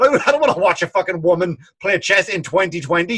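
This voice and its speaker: A man's raised, projected voice with an Irish accent, bright, sharp tone, lively intonation and moderate pace, in a dry, close sound with no echo. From Ireland. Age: 40s. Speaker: comedian and podcast co-host. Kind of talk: casual chat.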